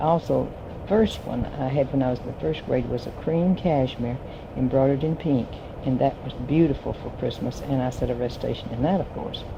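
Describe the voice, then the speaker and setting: A woman with a very deep, low pitch and a North Carolina accent, ordinary pitch variation, a fairly quick pace and noticeable background noise. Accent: Southern US, North Carolina. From Yadkin County, North Carolina, USA. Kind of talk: personal memoir recollection, spoken oral history. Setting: handheld cassette recorder.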